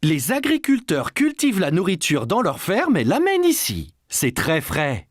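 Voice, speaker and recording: A man's voice: sits high, huge pitch swings, normal speed, slightly rough, dry recording, exaggerated voice. A man voicing a patient, friendly father in a children's cartoon dub, explaining things encouragingly.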